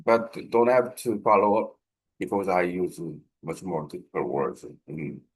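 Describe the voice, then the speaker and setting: A man with a Korean accent, a native Korean speaker, explains a language practice project informally in halting, non-fluent English, often searching for words. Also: low-pitched, animated, slightly rough.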